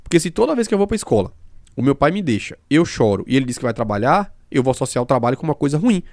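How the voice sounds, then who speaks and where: Fast, emphatic man hosting a podcast. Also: medium pitch, big pitch swings, a little mellow, dry recording, studio quality. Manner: emphatic, explaining with examples; fast-talking. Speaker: podcast host. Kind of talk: casual podcast conversation.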